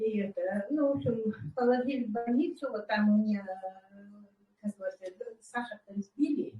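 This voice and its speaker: Speaking at a moderate pace with long, frequent pauses, a woman with a fairly high pitch uses a dark, mellow, somewhat breathy tone and lively intonation. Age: 60s. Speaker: network marketing distributor. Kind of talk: testimony.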